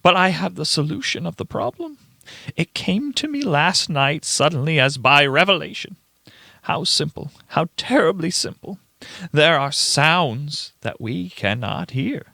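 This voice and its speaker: A man playing a frantic, paranoid old grandfather reading his diary aloud in a theatrical, halting horror radio-play style. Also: a little high, animated, vocal fry, sharp tone, no room sound, exaggerated voice. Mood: agitated. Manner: theatrical, halting, emphatic delivery.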